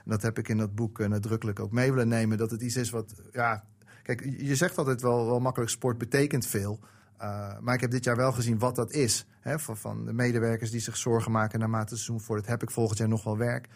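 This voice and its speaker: Fast-talking man telling football stories. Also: mid-range voice, vocal fry. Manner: animated storytelling with frequent fillers. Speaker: book author guest. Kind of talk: casual football chat.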